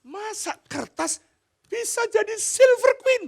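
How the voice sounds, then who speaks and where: Man doing a high lisping little girl, childish, bouncy voice. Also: lively intonation, slow pace, gravelly, darkish tone, full character voice. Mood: excited. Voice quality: childish lisp. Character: small girl begging for chocolate, lisping.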